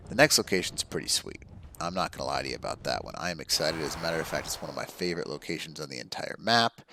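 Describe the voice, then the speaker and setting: A man's voice: extremely low pitch, expressive, fast talker, noisy background. A man hosting a game walkthrough, talking viewers through spots on the map in an enthusiastic, casual way. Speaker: gaming channel host.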